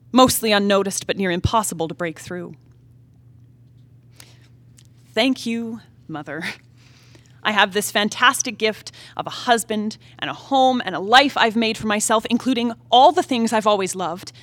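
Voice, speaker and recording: Woman acting young period-drama wife, brooding, restless, emotive soliloquy, halting delivery, dry close sound. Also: mid-range voice, a bit bright, no room sound, close to an everyday voice. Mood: discontented, realising. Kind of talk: theatrical play reading, period drama monologue. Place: theatre stage, live play reading.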